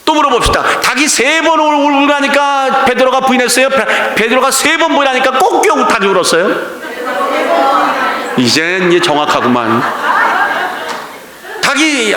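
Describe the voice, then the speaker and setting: A male pastor preaching a lively sermon, acting out little scenes and laughing often. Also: extremely high pitch. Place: church sanctuary. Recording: echoey church hall.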